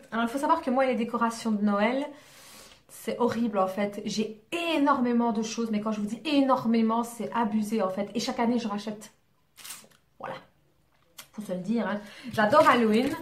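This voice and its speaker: A young woman in her twenties, chatting casually and rambling a bit as she shows off a shopping haul, self-mocking and full of fillers. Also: fairly high pitch. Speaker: beauty vlogger. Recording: echoey room, faint noise.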